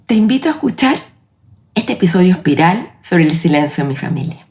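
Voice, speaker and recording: Woman, late forties, Chilean accent, podcast host, reflective scripted narration, gravelly fry. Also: lowish voice, sing-song, a little mellow. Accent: Chilean Spanish. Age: 40s. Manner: measured, personal and reflective.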